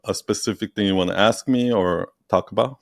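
A man's voice: fairly low pitch, brisk, vocal fry, no room sound, clean studio sound. A man hosting a podcast conversation, talking loosely with lots of "like" and restarts. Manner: loose and rambling, full of "like" and restarts. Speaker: podcast host.

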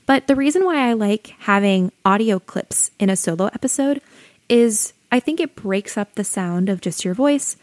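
A young adult woman with a soothing voice, hosting her own podcast and calmly giving friendly advice like a teacher. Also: mid-range voice, normal speed, no room sound. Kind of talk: solo educational podcast talk.

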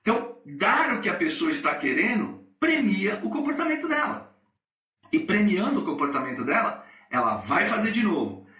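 A middle-aged man with a Brazilian Portuguese accent tells a workplace story on his coaching podcast, acting out each person in it. His voice is bright and swings widely in pitch. He sits a little back from the mic in an echoey room. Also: moderate pace, distant mic. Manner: animated, acts out the people in his stories. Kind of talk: storytelling monologue.

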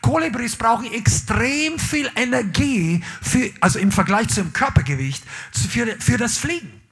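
Man, pastor, animated church sermon, very high voice, husky tone. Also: normal speed. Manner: animated preaching, swings between loud calls and quiet asides; mixes in English phrases. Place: church service.

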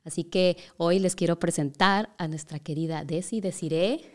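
A woman's voice: lowish voice, fairly even intonation, normal speed, a little mellow. A woman hosting a podcast, interviewing in a casual, chatty way with wordy, roundabout questions.

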